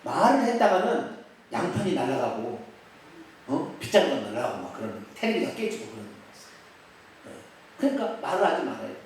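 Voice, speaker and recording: A man, a pastor, preaching an expository sermon with animated delivery, asking the congregation questions and acting out quotes. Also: medium pitch, fast, pauses often, slight background noise. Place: church sanctuary. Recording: echoey church hall, mic at a distance.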